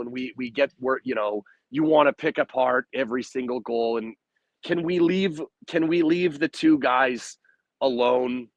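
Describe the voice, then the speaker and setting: A man hosting a postgame hockey livestream, speaking bluntly and with frustration in a hoarse, raspy voice that is recovering from laryngitis. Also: medium pitch, no room sound. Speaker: hockey podcast host. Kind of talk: postgame sports commentary.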